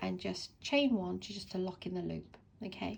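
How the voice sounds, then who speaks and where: A woman speaks with a British accent. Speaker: crochet tutor. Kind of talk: tutorial.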